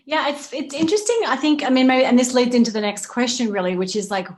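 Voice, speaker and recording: A woman's voice: fairly high pitch, fast talker, darkish tone. A woman moderating an informal panel discussion, chatting and thinking aloud as she links ideas and questions.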